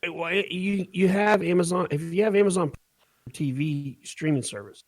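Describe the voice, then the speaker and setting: A man's voice: sits high, moderate pace, no room sound, clean studio sound. A man with an American accent chatting casually as a podcast co-host in a laid-back, slangy, mildly profane way. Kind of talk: casual chat.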